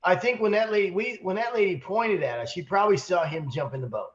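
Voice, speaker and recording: A man co-hosting a casual podcast, hoarse from a cold, telling a rambling, animated story with many restarts. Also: high-pitched, fast talker, dull audio. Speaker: podcast co-host, sales manager.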